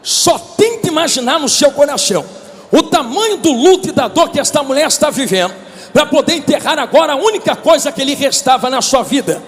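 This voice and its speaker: A Brazilian man preaches with fervor, his voice pitched unusually high and rising to shouts. He speaks as a pastor at a large conference. The sound rings out with the long reverb of a big convention hall. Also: animated, brisk. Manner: impassioned preaching, often shouting. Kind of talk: conference sermon.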